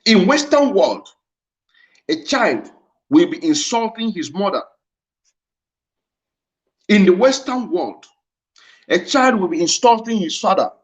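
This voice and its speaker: A man's voice: high-pitched, sing-song, takes it slowly, long pauses. A man with a Nigerian Igbo accent giving an impassioned lecture, repeating his phrases for emphasis. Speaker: speaker at a livestreamed address. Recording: dull lo-fi stream audio.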